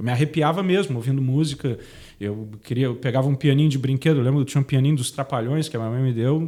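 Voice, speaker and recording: Very fast and dark-toned, a man's mellow voice sits at medium pitch with ordinary pitch variation. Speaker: singer. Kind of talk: podcast interview. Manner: halting, with many repetitions.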